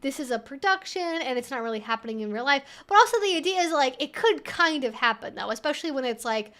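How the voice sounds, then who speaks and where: Woman, high voice, livestream host, casual Q&A chat, conversational, emphatic, thinking aloud. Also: animated, fast talker, fairly bright tone. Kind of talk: casual Q&A livestream chat, reading viewer comments.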